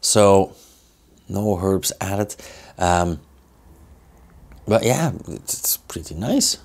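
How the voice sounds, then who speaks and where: Deep gravelly Belgian man tasting beer. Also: expressive, a little mellow. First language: Dutch. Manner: slow, thoughtful, with many fillers. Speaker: beer reviewer. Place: small indoor studio with beer signs.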